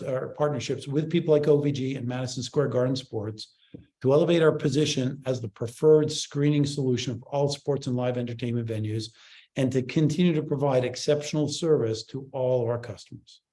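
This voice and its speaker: A man speaking as chief executive on an earnings call, with deliberate, somewhat halting phrasing. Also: mid-range voice, warm tone. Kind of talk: business presentation on an earnings call.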